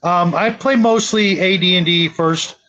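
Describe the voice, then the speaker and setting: High-pitched man on a muffled mic. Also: measured pace, sharp tone. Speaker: podcast panelist. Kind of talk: casual explanatory discussion. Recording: dull lo-fi mic, clear background noise.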